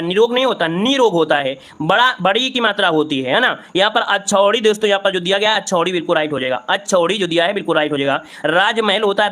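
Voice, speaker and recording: A man teaching a live exam-prep lesson, going through answers briskly, repeating each one and calling his students friends. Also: sits high, bright, forceful tone.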